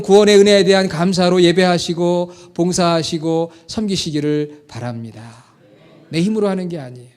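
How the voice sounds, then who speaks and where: A man's voice: high voice, a little mellow. A man preaching a sermon, telling a story and asking the congregation questions as he goes. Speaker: pastor.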